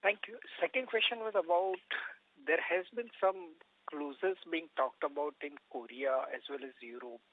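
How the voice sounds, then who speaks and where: A man's voice: fairly high pitch, normal speed, no echo. An Indian-accented man, a financial analyst putting questions to management on an earnings call. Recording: muffled narrow conference phone line.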